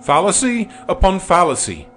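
A man's voice: on the low side, expressive, normal speed, a bit bright, slight background noise, voice pushed up. A man voicing a pompous older male lawyer who rants with scornful indignation. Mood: outraged. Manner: indignant, ranting oratory. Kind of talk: audiobook character reading.

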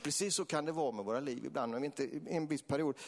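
Man, Småland accent, sermon, storytelling, fervent, fairly high voice, church reverb. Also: vocal fry, slight background noise. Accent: Småland Swedish. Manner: storytelling with laughs, rising to fervent preaching. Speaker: preacher.

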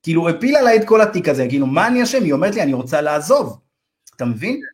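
A man from Israel's Ethiopian community, a real estate advisor, telling a story in a loose, slangy, animated way and acting out the dialogue. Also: fairly high pitch. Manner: animated, acts out quoted dialogue in raised voices; loose, slangy, addresses listener as bro. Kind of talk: casual storytelling in a podcast interview.

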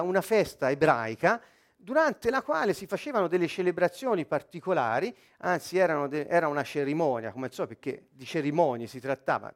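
A man delivering a sermon with a fairly high voice that leaps up and down in pitch. He rises loud and slow when quoting scripture, then drops low and quiet to explain. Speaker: preacher.

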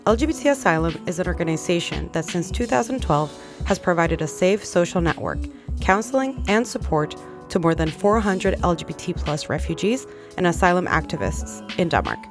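A woman hosting a podcast, reading a clear, informative introduction. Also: lowish voice, lively intonation, fairly quick, over music. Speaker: podcast host. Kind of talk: scripted podcast intro and chat.

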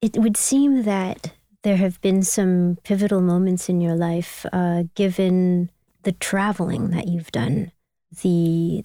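A woman interviewer speaks slowly and carefully, framing long questions. Her voice is low-pitched and mellow. The sound is dry and close. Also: no echo.

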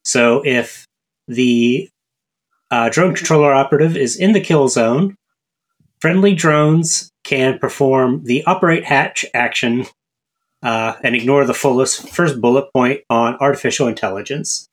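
Steady explaining man. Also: mid-range voice, unhurried. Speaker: podcast co-host. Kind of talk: casual gaming podcast chat.

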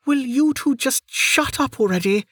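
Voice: medium pitch, expressive, slow, fairly bright tone, husky, dry recording, clean studio sound, voice pushed up, full character voice. Narrator doing a curt, stern noblewoman. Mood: irritated. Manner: curt, snapping. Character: stern commanding noblewoman, irritable.

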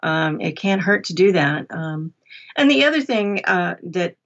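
A woman with a slightly low voice chats as a podcast guest, giving practical advice. The sound is a bit muffled and lo-fi. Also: animated, measured pace. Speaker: podcast guest, audiobook narrator. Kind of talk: interview conversation, giving advice.

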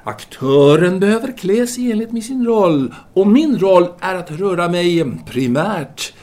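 An actor playing a self-assured, philosophizing Parisian intellectual man in an audio drama, with formal, deliberate phrasing. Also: sits high, animated, darkish tone. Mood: wry. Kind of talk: audio drama acting, formal literary dialogue.

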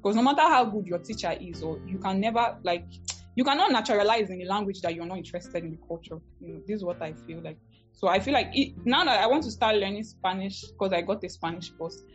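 A woman's voice: medium pitch, fast, soft background music. A woman with a Nigerian accent, a language teacher answering interview questions earnestly with fillers like "as in". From Ebonyi, Nigeria. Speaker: podcast guest, Korean teacher.

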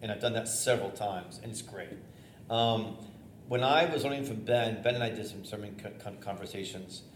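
Energetic bishop teaching preaching, echoey room. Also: male voice, on the low side, normal speed. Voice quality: loud voice, theater-trained. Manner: conversational, energetic, with fillers and restarts. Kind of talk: informal teaching talk on preaching. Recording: echoey room, faint noise.

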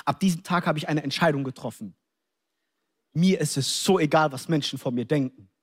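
Animated high-voiced German preacher. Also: male voice, fairly quick. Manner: animated storytelling, acts out scenes, with English interjections. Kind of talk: sermon.

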